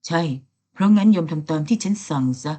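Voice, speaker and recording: A woman's voice: on the low side, a little fast, mellow, lightly acted. A woman doing a sulky, sly young man. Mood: teasing. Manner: sulky, sarcastic and teasing.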